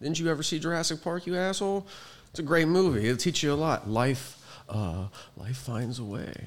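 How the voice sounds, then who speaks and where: A man with an American accent speaks in a normal speaking voice at a fairly quick pace, his intonation lively, on a very clean recording with a silent background. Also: fairly high pitch for a man. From US Midwest (Youngstown, Northeast Ohio). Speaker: massage therapist. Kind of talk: casual chat.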